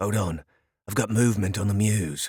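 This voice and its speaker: A put-on character voice, raspy, at a moderate pace, with fairly even intonation and a dry, close sound with no echo. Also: man. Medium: read story.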